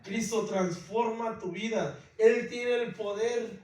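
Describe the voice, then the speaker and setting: High-voiced preacher in an echoey church. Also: male voice, slow, a little mellow. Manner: emphatic preaching, repeated calls to the congregation. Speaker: pastor. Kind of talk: sermon. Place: church in the United States. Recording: very echoey church hall, mic far off.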